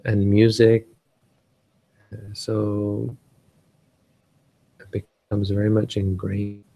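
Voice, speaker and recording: A man's voice: fairly low pitch, completely flat delivery, slow, gravelly, warm tone, low-quality recording. A Canadian man giving a rambling casual talk on a live stream, often restarting and searching for words. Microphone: live stream setup.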